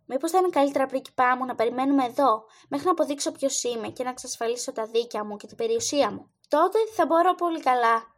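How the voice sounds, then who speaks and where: A gentle, loyal knight who muses aloud and mutters his thoughts, read by a woman narrator. The voice stays high and bright in pitch. The telling is thoughtful and quiet, like a storybook reading. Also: close to an everyday voice. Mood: musing. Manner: musing, muttering to himself.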